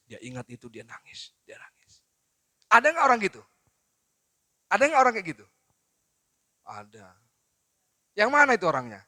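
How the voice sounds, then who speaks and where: A man, preaching at a seminar in a lively storytelling way and talking straight to his audience. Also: sits high, dry recording. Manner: lively storytelling with acted quotes, addresses audience directly. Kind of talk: seminar sermon.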